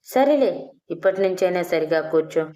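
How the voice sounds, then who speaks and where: A woman's voice: lowish voice, animated, normal speed, dark tone, close to an everyday voice. A woman voicing a stern, sarcastic older husband and grandfather in an audio story, scolding and teasing his wife.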